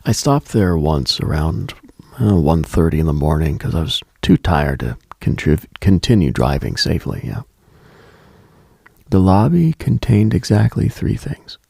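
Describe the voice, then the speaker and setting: Hosting mystical radio late at night, a man with a low, sing-song voice muses over eerie stories, hushed and halting. His tone is gravelly, husky, and breathy, close to the mic, in a dry recording.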